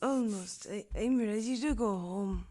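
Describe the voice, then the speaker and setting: A woman's voice: mid-range voice, measured pace, mellow, dry recording, studio quality, close to an everyday voice. A woman voicing a sulky, sheltered young prince who sounds petulant, hesitant and naive. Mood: unsure.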